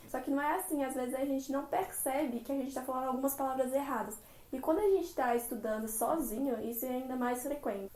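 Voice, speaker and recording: A woman with a Brazilian Portuguese accent giving language-learning tips in a chatty, expressive tutorial vlog. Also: on the high side. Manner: chatty and expressive, acts out little dialogues. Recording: roomy, echoey room.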